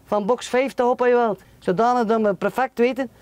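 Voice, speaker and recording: A man's voice: very high voice, fairly even intonation, fairly quick, a little mellow, clean tone. A middle-aged man with a Flemish accent, a farmer explaining things on a guided tour in a chatty way, tagging sentences with little fillers. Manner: chatty, many "hè" and "voilà" tags. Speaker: ostrich farmer giving a tour. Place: farm sheds and outdoor pens.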